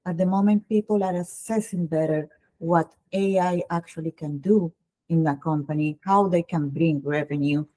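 A woman's voice: sits low, steady tone, moderate pace, warm tone. A woman in her thirties with a Colombian accent, hosting a casual interview over a video call, chatty with frequent restarts. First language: Spanish. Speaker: host. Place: home room.

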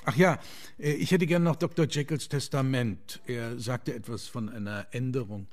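An actor playing a genial, concerned gentleman lawyer with a formal, measured manner in a German radio drama. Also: mid-range voice, steady tone, natural voice. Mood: brisk, genial.

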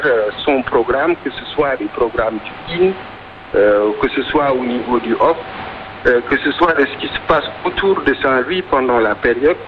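Guy being interviewed on radio, halting delivery, dull staticky shortwave sound. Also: mid-range voice, background noise. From Senegal. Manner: hesitant, halting phrasing. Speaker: festival organizer being interviewed. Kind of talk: spontaneous radio interview answers.

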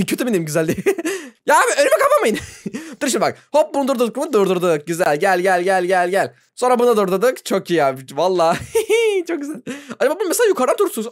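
A fast-talking young man giving playful gaming commentary. His voice jumps up and down in pitch, and he laughs a lot and shrieks at surprises. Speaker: gaming YouTuber. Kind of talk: let's play commentary.

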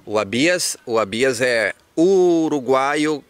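A man in his thirties from the Brazilian border region, an interviewer asking questions in a relaxed chat in a backyard with a handheld mic. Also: medium pitch, takes it slowly, clear, resonant tone. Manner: conversational, prompting questions. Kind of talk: casual interview talk. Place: outdoor backyard. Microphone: handheld microphone.

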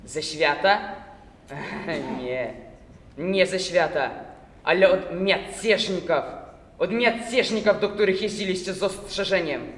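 A man's voice: medium pitch, steady tone, a little hiss or hum. A young man reciting in a contest voices a scornful, mocking Cossack officer who drags out his syllables. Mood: menacing. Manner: taunting, drawn-out syllables, shouting. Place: large hall, stage recitation. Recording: echoey hall from far off.

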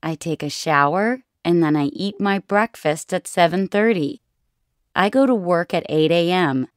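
Woman, smooth resonant voice, slow clear lesson reading, dry sound. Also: on the low side, dry recording. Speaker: dialogue reader. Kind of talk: scripted language-lesson dialogue.

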